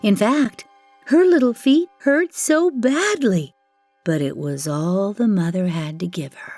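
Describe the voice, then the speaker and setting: Slow, animated woman storyteller. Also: medium pitch, dry recording, soft background music. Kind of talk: expressive children's fairytale narration.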